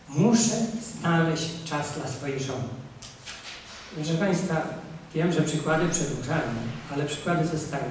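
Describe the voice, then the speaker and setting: An older man, a priest, gives a lecture on marriage at a conference table, with emphatic appeals and quiet asides. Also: on the high side. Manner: emphatic, exhorting, swings between loud appeals and quiet asides. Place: conference room, seated at a table. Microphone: table mic, camera from across the room. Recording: very echoey room, voice from a distance, faint noise.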